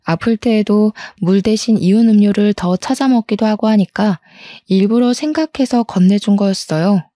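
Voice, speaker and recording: Female narrator for a scripted first-person story; steady, even telling, mellow voice, dry recording. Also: medium pitch, moderate pace, no room sound.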